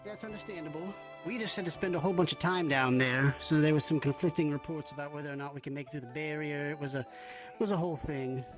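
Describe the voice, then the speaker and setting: A woman's voice: low-pitched, fast, over music. A woman making casual, improvised roleplay conversation. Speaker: roleplayer in a virtual-reality game.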